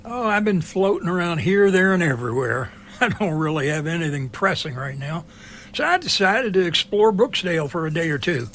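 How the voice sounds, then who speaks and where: A man's voice: a little high, animated, moderate pace, fairly bright tone, a little hiss or hum. A man playing an easygoing, curious middle-aged helicopter pilot in an amateur audio drama, chatty and wry.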